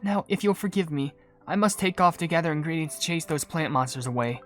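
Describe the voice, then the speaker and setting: Composed female perfumer for a fantasy game, woman actor: low, soft-spoken, polite, faint music behind. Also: a little fast, close to an everyday voice. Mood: gently explaining. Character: gentle, composed adult female cookie perfumer. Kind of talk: video game voice acting.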